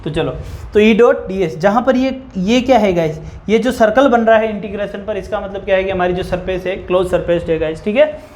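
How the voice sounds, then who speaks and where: Echoey high-voiced male physics tutor. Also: a little fast, darkish tone. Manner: asks questions and answers them himself, says "guys" a lot. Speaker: physics teacher. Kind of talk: whiteboard lecture. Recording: echoey room.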